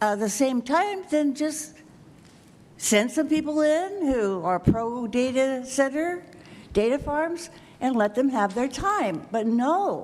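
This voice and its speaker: Very wide pitch swings at a very slow pace, with an American accent. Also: woman, high pitch for a woman. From Oregon, US Pacific Northwest. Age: 70s. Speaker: public commenter at city council. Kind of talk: public comment. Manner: halting, many fillers.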